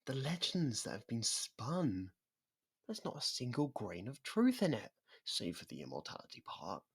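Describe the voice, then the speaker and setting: A performer voicing a sadistic, centuries-old vampire in an ASMR roleplay, theatrical and mocking, slipping into slow whispers. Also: medium pitch, wildly swooping pitch, slightly rough, pitched above the performer's own voice, heavily acted.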